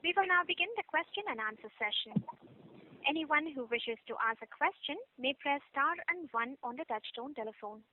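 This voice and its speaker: A woman's voice: high-pitched, animated, moderate pace. A woman moderating a conference call, formally announcing instructions for the question queue. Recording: dry tinny phone line.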